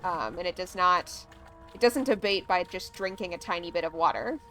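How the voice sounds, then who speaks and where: A woman's voice: lowish voice, normal speed, a bit bright, faint music behind. A woman chatting casually on a gaming livestream, rambling along with plenty of "like" and "um". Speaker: streamer.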